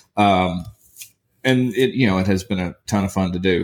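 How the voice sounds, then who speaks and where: In a very clean recording with a silent background, a man with an American accent and an ordinary speaking voice talks at a moderate pace and a fairly low pitch. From US South, Mississippi. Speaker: podcast co-host. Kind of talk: casual chat.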